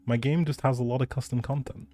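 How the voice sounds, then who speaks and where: A man's voice: mid-range voice, steady tone, quick pace, warm tone. A man chatting casually with viewers as a live game streamer, in a laid-back, informal and reassuring way. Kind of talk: casual livestream chat with viewers.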